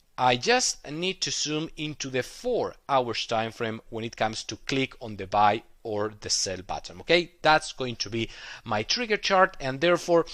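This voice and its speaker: A man with a non-native accent uses a medium pitch and lively intonation. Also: very clean recording, silent background. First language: not English. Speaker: trading educator. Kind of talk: tutorial. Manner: hesitant, many fillers.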